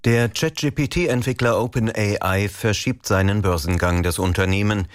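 A male newsreader presenting scripted radio news in a measured, formal way. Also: lowish voice, smooth, no echo, studio quality.

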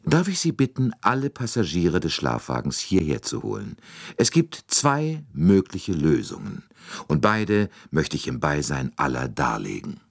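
A man's voice: huge pitch swings, a little slow, gravelly, exaggerated voice. A man voicing a fussy, shrewd older Belgian detective who speaks precisely and probes politely. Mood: confident. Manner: precise, politely probing, rising pitch.

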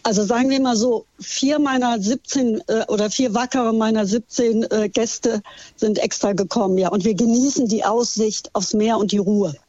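A woman's voice: fairly high pitch, fairly even intonation, moderate pace, dark tone, dry recording. A woman tour guide calling in to a radio show, cheerful and hesitant, with many ums and ahs. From Germany. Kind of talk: casual chat over the phone. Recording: dull, muffled phone line.

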